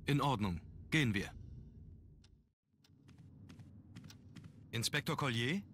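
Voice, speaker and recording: An actor playing a grave, brooding young aristocratic heir in a video game, speaking in a measured way. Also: male voice, mid-range voice, lively intonation, fairly bright tone, a little hiss or hum, close to an everyday voice. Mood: concerned. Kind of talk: German video game voice acting.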